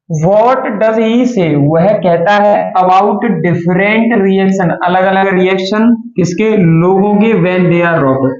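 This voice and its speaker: High-voiced teacher in echoey room. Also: male voice, darkish tone, dull audio. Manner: repeats and answers his own questions, addresses students as children. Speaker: English teacher. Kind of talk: classroom grammar lesson.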